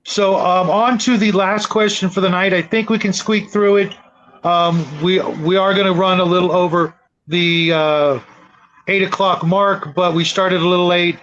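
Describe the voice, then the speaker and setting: A man hosting a casual panel discussion about tabletop gaming, talking in a halting, rambling way and repeating words as he goes. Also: sits high, fairly even intonation, a bit bright, muffled recording.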